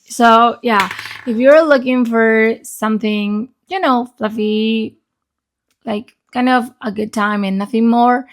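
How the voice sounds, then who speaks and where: A woman giving a casual, chatty book review in an informal, sweary way, her voice grainy and unsteady as she recovers. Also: fairly high pitch. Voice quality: unstable, grainy voice. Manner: informal, sweary, often checks in with "okay?". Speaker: book reviewer, video channel host.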